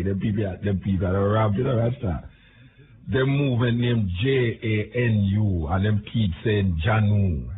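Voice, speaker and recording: A Jamaican man giving a rambling, indignant political rant. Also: fairly low pitch. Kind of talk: political commentary monologue. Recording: tinny phone-like audio with noise.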